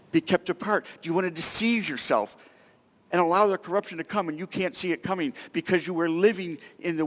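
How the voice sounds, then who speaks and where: A man's voice: a little high, big-room sound. A middle-aged man preaching a sermon as pastor, speaking in a conversational, emotional way and asking the congregation many questions. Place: church sanctuary.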